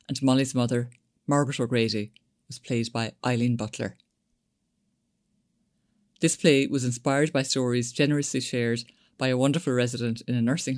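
A man's voice: medium pitch, dry recording, clean studio sound. A man reading scripted closing credits as a radio drama announcer.

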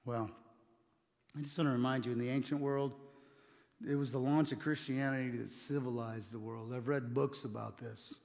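The sermon comes from a middle-aged pastor on a church stage with a communion table, speaking conversationally and earnestly while repeatedly restarting. He has a mid-range, creaky, darkish voice with a steady tone at normal speed, echoing in long hall reverb.

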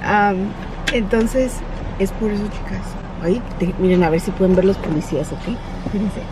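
Speaking at normal speed with medium pitch and fairly even intonation, this woman in her thirties vlogs while driving around on errands. She chats freely to viewers, slipping into English for staff and kids, as a dashboard camera records her over audible road noise in the car, drive-through and parking lot.

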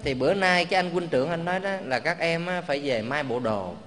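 A man's voice: on the high side, fast talker, a bit bright. A man, a Buddhist monk giving a sermon, telling a moving story in a conversational, emotional way with rhetorical questions. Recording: long reverb, faint background hum.

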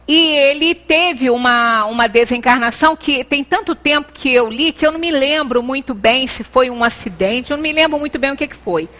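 A middle-aged Brazilian woman speaks to a small audience with a high, bright voice. She is earnest and halting, breaking off and restarting her phrases. The sound comes from a camera across an indoor meeting room. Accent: Brazilian Portuguese. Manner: earnest, gesturing, many pauses and restarts. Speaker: lecturer at a spiritist center. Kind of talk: devotional talk. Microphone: far camera.

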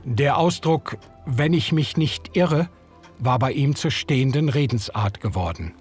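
A man narrating a radio drama in the first person, in a measured, old-fashioned storytelling manner. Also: mid-range voice, expressive, breathy edge, soft background music. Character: young German man recalling the past. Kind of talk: scripted audiobook narration.

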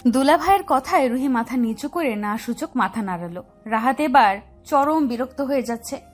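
Brief: female storyteller, slightly high voice, steady scripted narration. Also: normal speed, soft background music.

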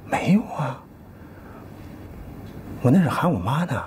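A stammering, wheedling husband. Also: male voice, mid-range voice, very animated, measured pace, a little hiss or hum. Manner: stammering, wheedling, often hushed. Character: flustered middle-aged husband, coaxing and sheepish. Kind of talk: TV drama acting.

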